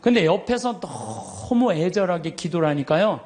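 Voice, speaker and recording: A middle-aged man, a Catholic priest, telling stories in a lively sermon, acting out the voices of others and laughing as he goes. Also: high voice, moderate pace. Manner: animated, acts out quoted voices, laughs often.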